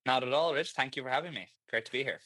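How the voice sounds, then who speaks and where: Irish man, 30s, relaxed talker with quick asides, mid pitch. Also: low-quality recording. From Ireland. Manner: candid, chatty, quick asides. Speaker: guest, app founder. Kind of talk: casual interview conversation.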